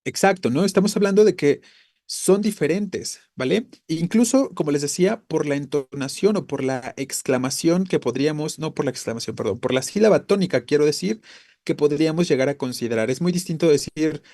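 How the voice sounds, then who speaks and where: A man's voice: a little high, expressive, brisk, dark tone, dry recording, studio quality. Patient man teaching a class. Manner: explains patiently, tags phrases with "¿no?" and "¿vale?"; self-corrects mid-sentence. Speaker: Spanish teacher. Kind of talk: online class lecture.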